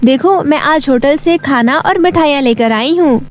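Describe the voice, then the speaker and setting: A woman's voice: high-pitched, moderate pace, soft background music, pitched above the performer's own voice, close to an everyday voice. A woman voicing a poor, hardworking young shop girl in a cartoon story, respectful and eager to please. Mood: happy, caring.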